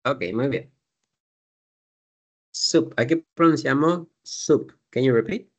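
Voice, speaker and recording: A male teacher, pitched at an ordinary middle height for a man. He explains grammar patiently and step by step, then drills pronunciation word by word. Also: unhurried. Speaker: English teacher. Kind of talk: classroom teaching.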